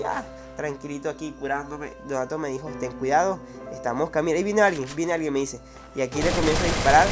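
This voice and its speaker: A young man with a Mexican accent, giving excited, slangy commentary over his own gameplay. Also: a little high. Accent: Mexican Spanish. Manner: swings from hushed to shouting, slangy. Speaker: gaming youtuber.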